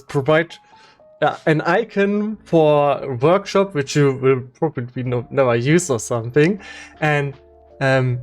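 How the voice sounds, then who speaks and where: German dev guy talking on stream, lots of ums and restarts, faint music behind. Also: a little high. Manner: halting, many restarts and ums. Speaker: game developer streamer. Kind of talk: casual live-stream chat.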